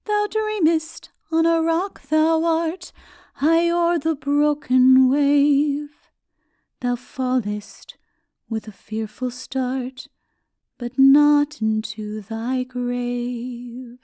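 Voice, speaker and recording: Woman performing ancient fairy dame, high slow singing. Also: fairly even intonation, warm tone, no room sound, clean studio sound. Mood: tender, solemn. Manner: sings in slow, drawn-out phrases. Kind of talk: sung verse in a dramatic audiobook reading.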